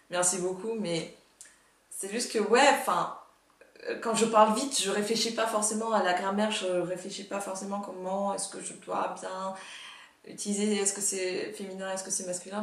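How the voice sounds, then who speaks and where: A woman's voice: mid-range voice, steady tone, moderate pace, roomy sound, recorded from a distance. A nineteen-year-old woman chatting casually and self-mockingly at a home desk, reacting to her old videos through an earphone mic. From Russia and Canada. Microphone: earphone headset mic.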